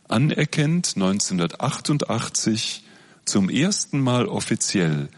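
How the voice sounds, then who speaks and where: A man giving a public lecture in a measured, explanatory way. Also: fairly low pitch, slightly rough.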